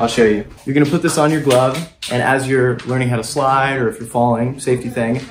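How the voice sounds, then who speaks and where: Over music in the background, a man speaks at a fairly quick pace with fairly even intonation. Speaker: longboard instructor. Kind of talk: casual vlog chat. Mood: playful, joking. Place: shop. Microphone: phone near.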